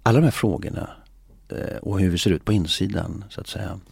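Deep gravelly man musing hesitantly. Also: no room sound. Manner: hesitant, many filler sounds; musing, philosophical. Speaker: interview guest. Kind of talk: reflective conversation.

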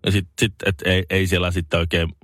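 A man's voice: low voice, flat delivery, a bit bright, dry recording, clean studio sound. A man in his thirties co-hosting a morning radio show, telling rambling anecdotes with lots of restarts. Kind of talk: casual chat, storytelling.

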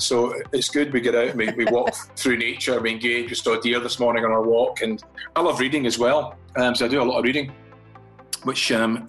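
A man's voice: mid-range voice, fairly bright tone, poor audio. An older Scottish man, a guest from a fathers' charity, chatting in a radio interview and often repeating words as he restarts his thoughts.

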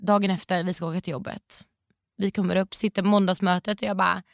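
A young woman in her twenties, podcast co-host, telling a story in casual chat with lively delivery and bits of English slang. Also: mid-range voice, creaky, dry recording, studio quality.

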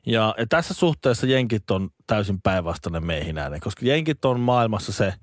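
A Finnish man co-hosting a podcast, chatting in an animated, rambling way with many restarts. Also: fairly low pitch, no room sound, clean studio sound. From Finland. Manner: animated, rambling, with false starts. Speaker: podcast co-host. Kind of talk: casual chat.

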